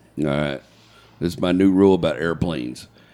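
A man with a Texas accent. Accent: Texas drawl. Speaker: podcast guest. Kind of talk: casual chat.

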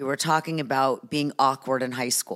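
A woman is speaking. The recording is very clean, with a silent background. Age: 50s. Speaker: comedian and actor, podcast host. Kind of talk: casual chat. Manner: enthusiastic.

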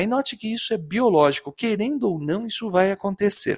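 The recording is dry and close, with no echo. A man's pitch swings very widely as he talks at a moderate pace. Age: 50s. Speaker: radio host and behavior coach. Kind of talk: casual radio talk. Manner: conversational.

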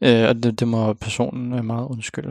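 This man speaks at a medium pitch, the sound dry and close with no echo against a quiet background. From Copenhagen, Denmark. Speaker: radio host. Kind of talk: radio music show. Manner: hesitant, many fillers.

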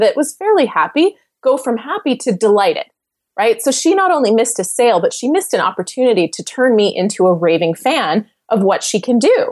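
A woman with a Canadian accent speaks at a fairly quick pace in a high pitch with very wide pitch swings. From western Canada. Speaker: real estate investor and sales expert. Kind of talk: podcast interview.

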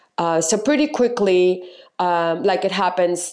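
Speaking at a fairly slow pace, a woman with a fairly low pitch talks in a Spanish accent. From Puerto Rico. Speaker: author and parenting blogger. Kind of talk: interview. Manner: halting, many fillers.

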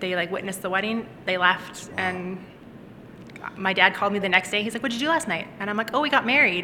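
Over noticeable background noise, a woman at medium pitch talks very fast with ordinary pitch variation. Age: 30s. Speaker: wedding planner. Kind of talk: casual chat.

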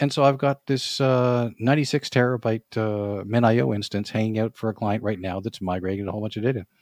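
A man with a Canadian accent speaks in an ordinary speaking voice at a moderate pace with lively intonation, on a very clean recording with a silent background and a dry, close sound with no echo. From Canada. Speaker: IT infrastructure and data protection consultant. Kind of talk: casual interview chat.

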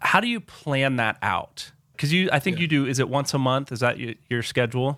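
A normal speaking voice, this man's is fairly high in pitch, with ordinary pitch variation and a fairly quick pace. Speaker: podcast host. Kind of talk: interview.

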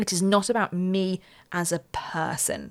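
A woman with an English accent, fairly low in pitch, on a very clean recording with a silent background. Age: 40s. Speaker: podcast host and former radio presenter. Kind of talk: solo podcast talk. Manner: chatty, laughing at times.

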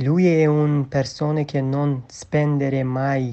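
A man with a Central Asian accent speaks at a very slow pace. His pitch is fairly high and his intonation monotone and flat. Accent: Central Asian-accented Italian. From Uzbekistan. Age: 20s. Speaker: graduate student. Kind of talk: casual chat.

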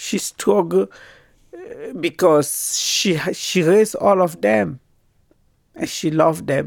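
A woman speaks very slowly in a Cameroonian French accent. Her pitch is very deep and low, with vocal fry. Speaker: nursing assistant. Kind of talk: testimony. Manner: halting.

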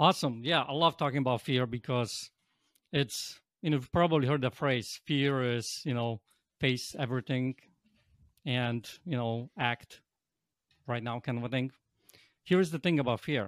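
A man with a Polish accent speaks at a moderate pace with ordinary pitch variation, leaving long, frequent pauses. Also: medium pitch for a man, very clean recording, silent background. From Poland. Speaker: transformational speaker and coach. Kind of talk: podcast interview.

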